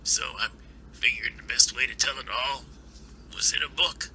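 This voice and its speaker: A man's voice: medium pitch, fairly even intonation, normal speed, pushed and bright, a little hiss or hum, rough recording. A man playing a wary, folksy older author with plain-spoken manners in an amateur audio drama. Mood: rueful.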